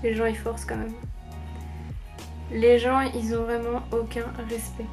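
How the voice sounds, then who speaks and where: A young beauty vlogger chats casually through a makeup tutorial at home, rambling with many fillers into a camera mic while faint music plays. Her fairly high, slightly mellow voice is completely flat and measured.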